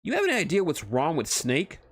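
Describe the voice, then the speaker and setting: A man voicing a cheeky, excitable young cartoon hedgehog in a fan fiction reading. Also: on the high side, fairly quick, slightly rough, no room sound, clean studio sound, voice pushed up, heavily acted.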